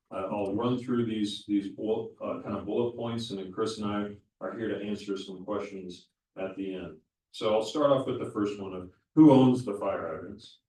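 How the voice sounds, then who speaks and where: A man with a fairly low voice walks a public meeting through his points one at a time, often restarting a phrase. He is heard from a distance in an echoey room. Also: darkish tone. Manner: explanatory, methodical, with frequent restarts. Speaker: county public works official presenting. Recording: echoey room, voice from far off the mic.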